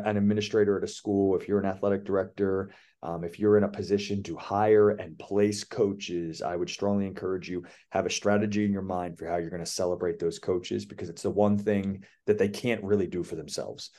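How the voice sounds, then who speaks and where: A man's voice: deep voice, flat delivery, brisk, mellow. A man, an athletic director, answering an interview question in a confident, explanatory way. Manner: confident, explanatory, speaks in flowing points.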